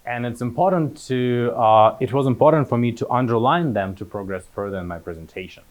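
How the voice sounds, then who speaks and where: A man's voice: medium pitch, a little fast. A man, giving an academic talk as a postdoctoral researcher, hesitant with many fillers and restarts. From Kazakhstan.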